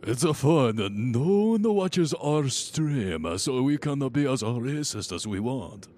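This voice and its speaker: A man chatting in a tabletop game stream, talking in a deadpan, mock-formal way. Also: mid-range voice, a little slow. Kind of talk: casual chat.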